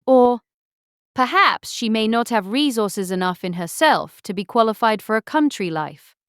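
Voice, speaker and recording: An actress playing a vain, self-satisfied young married gentlewoman in a period audiobook drama, chatty, affected and pompous. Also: fairly high pitch, animated, moderate pace, clean tone, no room sound, clean studio sound. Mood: smug, affected. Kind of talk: full-cast audiobook period drama acting.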